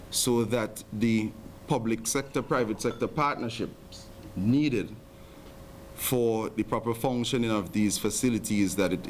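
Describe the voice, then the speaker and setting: Man official giving a formal statement, low voice, faint room sound. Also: darkish tone, slight background noise. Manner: measured official phrasing. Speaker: government official.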